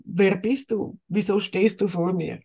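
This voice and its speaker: A woman's voice: medium pitch, fairly even intonation, measured pace, mellow, husky. A woman quoting an earnest, insistent male client. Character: troubled adult male client pleading for answers.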